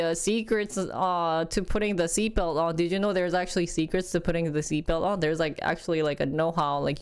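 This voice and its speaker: A woman in her thirties chatting casually to viewers, rambling and animated, acting out her baby's noises. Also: fairly low pitch, clean tone. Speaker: vlogger talking about her baby.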